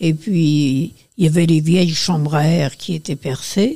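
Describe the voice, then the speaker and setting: A woman with a dark, mellow tone and fairly low pitch speaks fairly slowly, with ordinary pitch variation. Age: 80s+. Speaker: care home resident. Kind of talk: reminiscence. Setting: recording in a care home.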